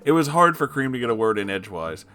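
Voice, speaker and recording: A man's voice: mid-range voice, sing-song, fast talker, sharp tone, faint music behind. A man hosting a comedic reading of fan fiction, breaking off into incredulous, amused asides. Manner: breaks into laughter, exclaims in disbelief.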